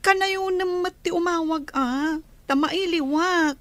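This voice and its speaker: A woman's voice: very high voice, measured pace, fairly bright tone, no room sound. A woman voicing an earnest young woman who misses her sweetheart, in a radio drama.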